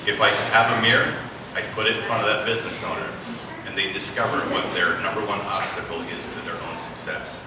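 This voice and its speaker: A man's voice: low voice, fairly even intonation, quick pace. A man giving a public talk and reading from his own book to a live audience, addressing listeners directly as an author and host. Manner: rhetorical questions to listeners. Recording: very echoey, noisy room from far off.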